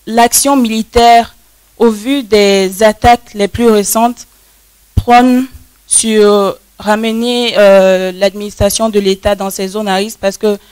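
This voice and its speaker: A woman's voice: a little high, darkish tone, smooth, no echo. A woman making a formal observation from the audience, choosing her words carefully. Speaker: audience member commenting at a panel.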